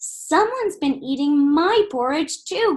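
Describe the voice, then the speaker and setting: Putting on a growling character voice, a woman speaks at an extremely high pitch and a fairly slow pace. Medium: read story.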